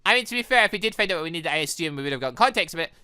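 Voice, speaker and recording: Female let's player, lowish voice with very lively swings, excitable reactions, close dry sound. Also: rapid-fire, smooth, no echo. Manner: animated, exclaiming reactions. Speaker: let's play host. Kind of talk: excitable video game commentary, reading dialogue aloud.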